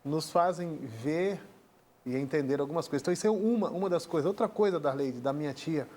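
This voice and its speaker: Earnest high-voiced Brazilian man. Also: brisk, darkish tone. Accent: Brazilian Portuguese. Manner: earnest, acts out dialogue in the retelling. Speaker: guest. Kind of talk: emotional personal storytelling.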